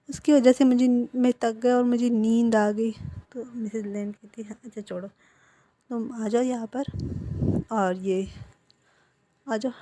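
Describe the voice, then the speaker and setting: A woman's voice: on the high side, warm tone. A woman with a Hindi accent casually retelling a fan fiction story, speaking every character's lines in her own voice. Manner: retells dialogue for every character without changing voice.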